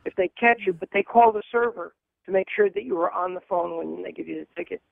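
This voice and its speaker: Older man with a high, gravelly voice on a phone line. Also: fast, no echo. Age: 70s. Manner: rambling, enthusiastic. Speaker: caller.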